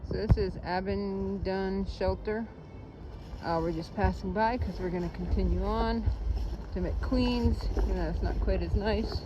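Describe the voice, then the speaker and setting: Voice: mid-range voice, steady tone, a little slow, music in the background. A hiker narrating a casual trail vlog outdoors, with dry joking asides, recorded on a handheld camera or phone. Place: outdoors on a mountain trail, windy. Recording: dull lo-fi sound with wind noise. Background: wind.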